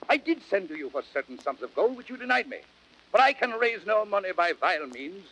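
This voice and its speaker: An actor playing a proud, stern, honour-bound Roman general, declaiming measured verse in a classical Shakespearean audio drama. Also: male voice, sits high, very animated, bright, forceful tone, full character voice. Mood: indignant, scornful. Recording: noisy vintage drama record.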